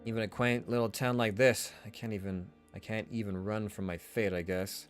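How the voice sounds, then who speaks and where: A man's voice: on the low side, steady tone, moderate pace, faint music behind, lightly acted. A man voicing a world-weary, grumbling detective of thirty in a visual novel. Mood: resigned. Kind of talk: visual novel character reading.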